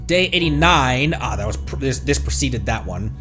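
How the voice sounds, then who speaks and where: A male game streamer with a mid-pitched voice reads text aloud over music. He mixes the reading with casual commentary, often stumbling and going back over a phrase. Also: expressive, moderate pace, sharp tone. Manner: stumbles over words, repeats and self-corrects. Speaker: livestream host, VTuber.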